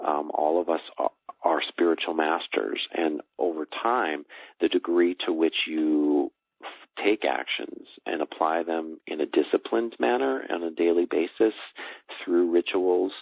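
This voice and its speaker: Very deep-voiced man, muffled phone sound. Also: gravelly, slightly rough, no echo. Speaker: spiritual coach and guest. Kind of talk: explanatory, earnest spiritual talk. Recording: muffled phone-like call audio.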